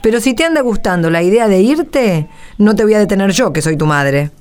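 A woman with an Argentine accent acting a weary, steady rural mother in a radio drama, measured, plain-spoken and firm. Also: mid-range voice, close to an everyday voice.

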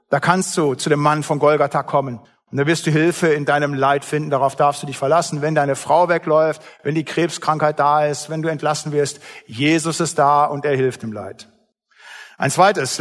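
A man's voice: a little high, a bit bright, in a large hall. A man preaching a sermon as pastor, emphatic and blunt, with plain everyday asides.

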